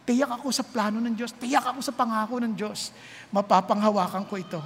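A woman preacher giving a sermon, telling a story with animated swings between loud exclamations and hushed tones. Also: a little high, brisk, a little hiss or hum. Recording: long hall reverb.

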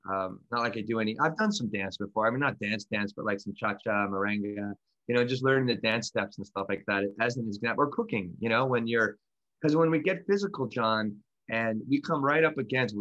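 A man's voice: on the low side, highs cut off. A man co-hosting a podcast and teaching meditation, talking casually with many restarts and frequent laughter. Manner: rambling, animated, laughs often, many restarts. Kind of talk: casual conversational podcast chat.

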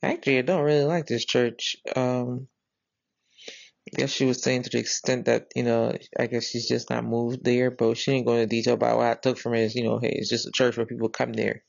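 A woman with a drawl talks casually into a close mic, her voice gravelly and full of vocal fry. She rambles earnestly and often restarts her sentences. The recording is dry and a little dull. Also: rumbling low, completely flat delivery, fairly quick, darkish tone, dry recording. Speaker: podcast host. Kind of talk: casual spoken retelling of a dream.

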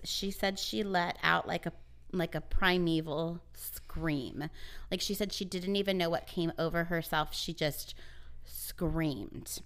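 A woman's voice: lowish voice, vocal fry, clean tone. A woman co-hosting a podcast, casually retelling a true crime story with many fillers and acted-out quotes. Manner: relaxed, uses many fillers, acts out quotes.

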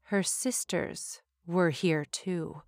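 A woman reading a fantasy short story aloud in a slow, measured narration. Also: fairly low pitch, steady tone, a little mellow, dry recording, studio quality. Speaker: story reader.

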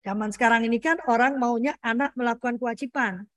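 A middle-aged woman speaking as a parenting guest in a casual interview, animated and explanatory, often ending her points with "gitu ya" and addressing the host as "Pak". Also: on the high side, fast talker. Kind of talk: conversational interview talk.

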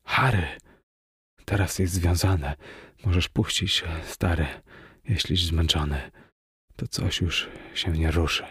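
A man voicing the narrator's brave friend in an audiobook, speaking hushed and hoarse with excitement. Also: low voice, takes it slowly, pauses often, no room sound, studio quality, full character voice. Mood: hushed urgent. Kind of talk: character voice in an audiobook.

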